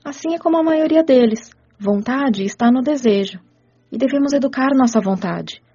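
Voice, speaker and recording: High, husky, kindly spirit teacher. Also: female voice, lively intonation, warm tone, heavily acted. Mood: patient, instructive. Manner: didactic, explanatory, measured. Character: kind, patient spirit woman teaching children's caretaking rules. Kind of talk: radio drama dialogue. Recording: muffled audio with music underneath.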